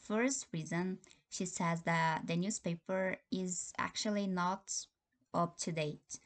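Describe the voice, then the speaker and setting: Young woman, low voice. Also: steady tone, takes it slowly. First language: Portuguese. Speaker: test taker giving sample answers. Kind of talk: timed spoken exam answer.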